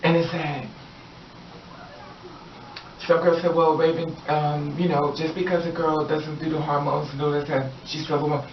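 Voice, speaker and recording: A woman's voice: deep voice, flat delivery, moderate pace, pauses often, a little hiss or hum. Emphatic woman vlogger in a roomy, distant recording. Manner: emphatic, repetitive, preachy. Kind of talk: casual opinion monologue. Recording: roomy, distant, dull lo-fi audio.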